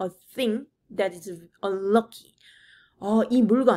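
A woman at a very slow pace, fairly high in pitch, with lively intonation. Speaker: Korean language teacher. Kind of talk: lecture. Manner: slow, repetitive teaching delivery. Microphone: webcam.

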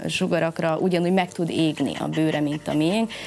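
With light background noise behind her, a woman speaks in a plain, everyday voice at a moderate pace, fairly low in pitch and with fairly even intonation. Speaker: guest. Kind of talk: interview answer. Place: studio.

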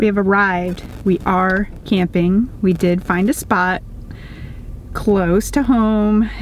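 The pace is very slow, with fairly even intonation. The sound is dry with no echo, over light background noise. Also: woman. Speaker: RV vlogger. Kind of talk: casual vlog chat. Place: car. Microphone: phone near.

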